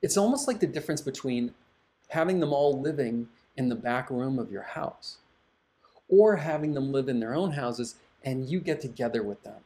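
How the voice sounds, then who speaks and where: A middle-aged man, a hypnotherapist, giving calm, reflective advice to viewers. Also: mid-range voice, moderate pace.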